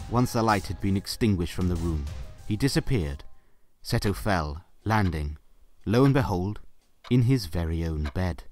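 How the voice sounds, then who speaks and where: A man narrating a scripted story for an audio drama. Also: lowish voice.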